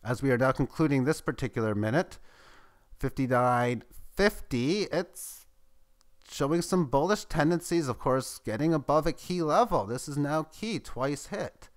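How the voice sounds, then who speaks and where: A man giving live, tick-by-tick commentary on a price chart as the host of his channel, growing excitable at key moments. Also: normal speed. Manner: running play-by-play, excitable at highs. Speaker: market chart analyst.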